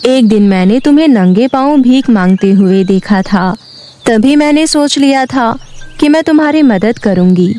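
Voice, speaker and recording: A woman voicing a wise, stern fairy in an animated story, speaking in a calm, lecturing way over faint music. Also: on the high side. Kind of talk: storybook voice acting.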